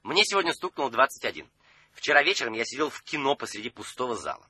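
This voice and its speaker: A man's voice: mid-range voice, big pitch swings, fast, breathy edge, no echo, full character voice. An actor playing a cocky, taunting young man in a radio drama, with a theatrical, mocking delivery. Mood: exuberant. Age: young adult. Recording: loud music under the voice.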